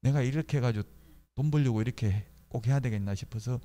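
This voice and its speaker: Lecturing man with a dark voice. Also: mid-range voice, fast talker. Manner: conversational, asks the class questions and answers them himself; tells personal anecdotes from his own brokerage work. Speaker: real estate law lecturer. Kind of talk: classroom lecture.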